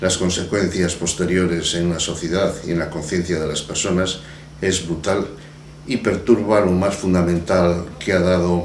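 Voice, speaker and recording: A man with a very deep, low pitch talks at a fairly slow pace in a monotone, flat intonation. Audible room echo and noticeable background noise fill the recording. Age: 70s. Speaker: former militant. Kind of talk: testimony. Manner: halting; formal.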